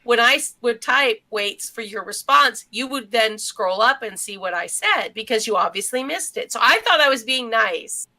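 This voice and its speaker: Female co-host, bright and higher-pitched, casual anecdotal chat. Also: expressive, moderate pace, few pauses. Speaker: podcast co-host.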